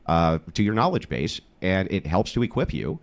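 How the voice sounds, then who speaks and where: Casting: male online debater, deep and very expressive voice, assertive and argumentative. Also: normal speed. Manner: assertive, challenging, emphatic. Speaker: debater, online course seller.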